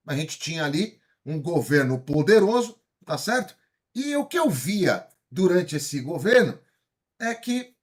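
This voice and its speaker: His voice a little high and slightly rough, a fifty-something São Paulo native gives a spirited motivational lecture in paulistano-accented Brazilian Portuguese. He keeps turning to the audience with questions, tag questions among them.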